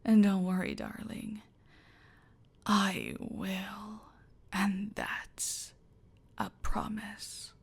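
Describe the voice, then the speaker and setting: Woman as female cartel boss: imperious, slow, husky-fry whisper, controlled menace. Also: medium pitch, big pitch swings, exaggerated voice. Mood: threatening. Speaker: voice actor in audio roleplay. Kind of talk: ASMR roleplay.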